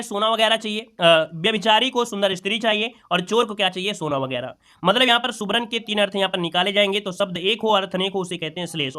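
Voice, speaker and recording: Male tutor, high and bright, walks viewers through exam answers, repeating each one. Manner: repeats each question and answer, asks rhetorical questions; addresses listeners as friends. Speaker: teacher solving exam questions. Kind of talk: exam-prep lesson.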